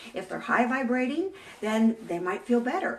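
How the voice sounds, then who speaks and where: A woman speaks with a fairly high pitch. Noticeable background noise is present. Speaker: nurse practitioner and wellness speaker. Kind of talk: live stream talk.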